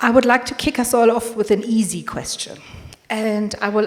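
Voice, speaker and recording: The speaker has a German accent and a moderate pace. Noticeable background noise is present. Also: woman. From Germany. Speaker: panel moderator. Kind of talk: moderated panel discussion.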